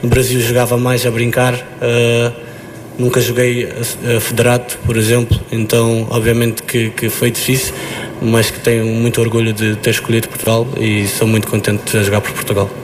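A man's voice: mid-range voice, completely flat delivery, normal speed, background noise. A young man, a footballer, answering press conference questions hesitantly with many fillers and restarts.

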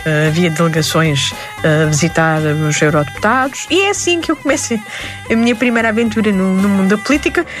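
A woman tells her story at length as an interview guest, lively and often laughing. Her voice sits at a middle pitch for a woman. Faint music plays underneath. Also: brisk. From Lebanon. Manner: animated storyteller, laughs often, restarts words. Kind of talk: conversational interview.

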